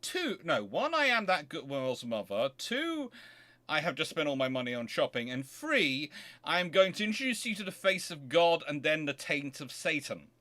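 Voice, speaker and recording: A man hosting a casual livestream, chatting in a halting, digressive way with wry, mildly sarcastic asides. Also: on the high side, sing-song, pushed and bright. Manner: halting, digressive, self-interrupting. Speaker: livestream host answering chat. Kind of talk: casual rambling livestream chat.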